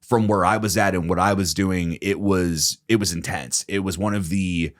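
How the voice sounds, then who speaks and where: Deep-voiced laid-back podcast host. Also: male voice, fairly even intonation, normal speed. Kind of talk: casual chat.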